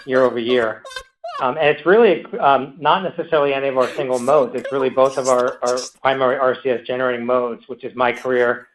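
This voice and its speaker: A man answering as a company executive on an earnings call, in a halting manner. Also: mid-range voice, steady tone. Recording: muffled conference call audio.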